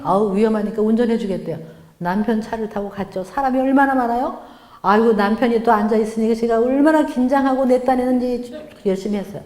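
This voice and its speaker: Animated middle-aged woman, echoey hall. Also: mid-range voice. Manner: animated, acts out quoted lines of family members. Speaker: guest speaker at a church mothers' prayer meeting. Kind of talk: lively lecture-sermon. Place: church sanctuary.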